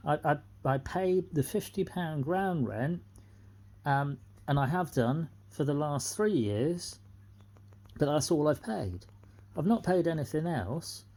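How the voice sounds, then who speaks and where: This complaint comes from a tenant, a middle-aged person with a British accent, who delivers an indignant, unscripted monologue about their grievance and repeats the same points. The voice is mid-range and dark, slow, with lively intonation.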